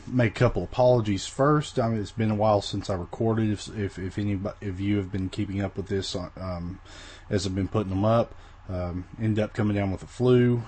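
A man's voice: lowish voice, darkish tone, slightly rough. A man teaching a recorded Bible lesson in a casual, rambling way, with many fillers and restarts, his voice weak after the flu.

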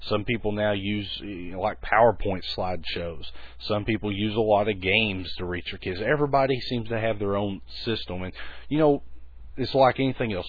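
A man's voice: husky, no echo. A man, giving a folksy, conversational teaching talk on children's ministry. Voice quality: bass voice. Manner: folksy, conversational, many restarts. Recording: tinny phone-like lo-fi recording.

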